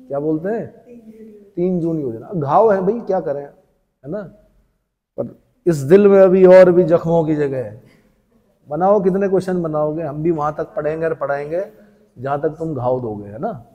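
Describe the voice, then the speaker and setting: A male teacher with a northern Indian Hindi accent lectures a class, drilling each point by firing it back as a question. His voice sits fairly high yet mellow in tone. The recording carries a long hall reverb. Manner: folksy storytelling asides.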